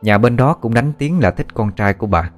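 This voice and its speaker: A man narrating a ghost story in a steady storytelling manner. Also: mid-range voice, a little fast. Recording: faint music behind.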